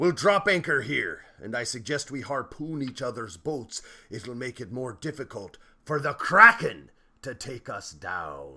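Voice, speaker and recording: A man speaks fairly slowly at a medium pitch. The voice he uses is a put-on character voice. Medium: actual play. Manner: brisk, commanding.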